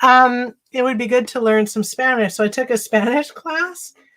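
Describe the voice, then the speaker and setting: A woman speaks with a Canadian accent and an ordinary speaking voice. Her pace is moderate, with ordinary pitch variation. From Canada. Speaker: artist. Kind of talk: casual chat. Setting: live stream.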